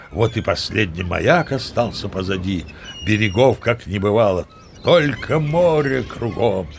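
A man's voice: mid-range voice, vocal fry, a little hiss or hum. An actor playing a boastful old sea captain who tells tall tales expressively in an audio play, savoring his words. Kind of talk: theatrical storytelling in an audio play.

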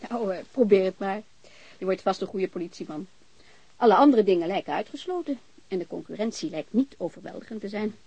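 An actress playing a blunt, warm-hearted, talkative landlady in a naturalistic radio drama, informal and frank. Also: medium pitch, animated, fairly quick, slightly rough, dry recording, poor audio. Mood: busy, friendly. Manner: informal, chatty, frank, mild swearing.

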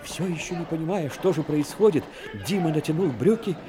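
A man narrating a Soviet war radio drama in a dramatic, measured literary storytelling manner. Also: fairly high pitch, noisy background.

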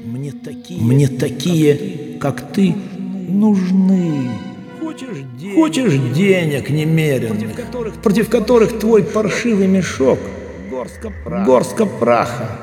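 A man's voice: sits high, lively intonation, extremely slow, pauses often, roomy sound, long reverb tail, over music, voice pushed up, full character voice. A man voicing a male swindler posing as a menacing one-eyed old hermit, who swings between roaring and coaxing.

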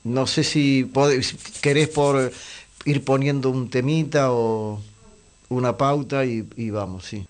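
A man, hoarse and losing his voice, chatting on radio with many pauses and fillers. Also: mid-range voice, fairly even intonation. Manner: hesitant, many fillers and restarts. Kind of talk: casual radio chat.

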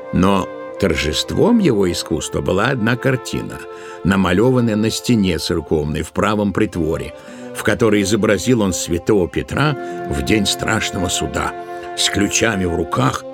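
A man narrating a literary tale for an audio play in an expressive, deliberate way, drawing out certain words. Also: lowish voice. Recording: music behind the voice. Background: musical accompaniment.

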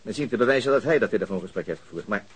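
A man's voice: lowish voice, animated, racing, lightly acted. Senior investigator played by a man, articulate and wry, very varied intonation, radio drama. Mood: measured, pleased. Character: senior police investigator, deliberate, wry, easily exasperated. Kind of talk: Dutch radio crime drama acting.

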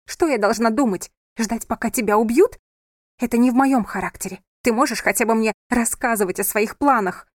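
A woman's voice: brisk, no echo, studio quality, lightly acted. A woman reading aloud and voicing a defiant, tearful young wife who raises her voice and argues back. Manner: shrill, raised, pleading.

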